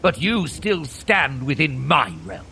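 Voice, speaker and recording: An actor playing a vengeful, gloating dark elf sorcerer with theatrical, menacing delivery in an audio adventure. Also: male voice, a little high, big pitch swings, slow pace, vocal fry, a little hiss or hum, exaggerated voice. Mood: desperate fury. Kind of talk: dramatic audio adventure acting. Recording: loud music and effects bed. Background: loud dramatic music.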